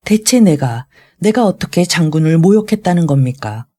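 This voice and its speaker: A sardonic young man argues and needles with a cold, mocking edge in a storybook reading. The voice is mellow in tone at a middle pitch, as a reader acts him out. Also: animated, moderate pace, natural voice. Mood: sarcastic. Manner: sarcastic, argumentative.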